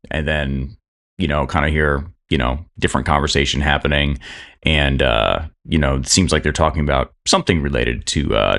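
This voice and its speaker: A man's voice: a bass voice, a bit bright. A man narrating as game master of a tabletop game, rambling with lots of fillers.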